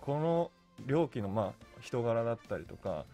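Animated, earnest male radio guest. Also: mid-range voice, a little slow, soft background music. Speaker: guest voice and stage actor. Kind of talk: casual radio chat. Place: radio studio, masked at a table. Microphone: studio boom microphone.

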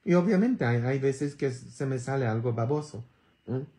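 A man, a Catholic priest giving an informal sermon with earthy humor, constant tag questions and sudden loud emphatic bursts. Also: mid-range voice, lively intonation, normal speed.

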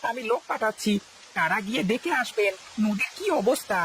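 A man voicing a sly, greedy male servant in a cartoon, wheedling with lively swings of pitch. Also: a little fast, a little hiss or hum. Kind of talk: cartoon voice acting.

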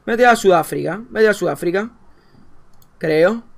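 A young man with an Argentine Spanish accent, commentating a game as a streamer, thinking aloud and swinging between quiet muttering and excited outbursts. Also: high voice, fast, vocal fry. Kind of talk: gameplay commentary.

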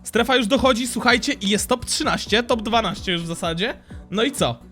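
A young man with a high, bright voice, narrating his gameplay in an excitable, jumpy way. He laughs often and his voice leaps up when something happens. Faint game music plays behind him. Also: brisk. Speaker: gaming streamer.

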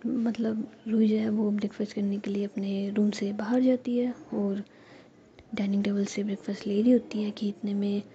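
A woman telling a story in a soft unvoiced whisper, acting out quick lines of dialogue between characters. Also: medium pitch, a little hiss or hum. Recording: dull lo-fi sound.

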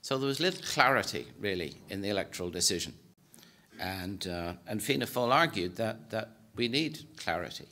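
A low-voiced Irish man in his sixties lectures from a podium in a conference hall. He speaks in a measured, hesitant way, full of "uh" and restarts as he works through his points. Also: lively intonation, bright, forceful tone. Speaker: political science professor giving a presentation. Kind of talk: formal lecture talk. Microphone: podium microphone.

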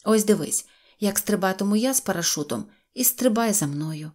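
A woman voicing a clever little boy leader in an audio fairy tale, firm and calm as he gives orders. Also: medium pitch, moderate pace, natural voice. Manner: firm, commanding and loud.

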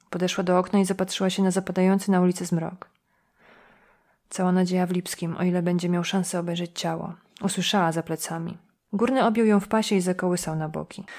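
A woman narrating a crime novel audiobook in a measured, steady way. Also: fairly low pitch. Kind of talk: scripted narration.

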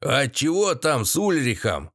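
A folksy old man with a moustache, as the narrator puts him on, talking in a rustic, homespun way. The voice stays close to the reader's own mid-low tone. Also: very animated, a little slow, fairly bright tone, slightly rough, exaggerated voice.

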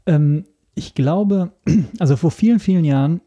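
A man from Italy, talking casually as a podcast guest, hesitant and often pausing to search for words. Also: on the high side, dark tone. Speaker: podcast guest, radio drama maker.

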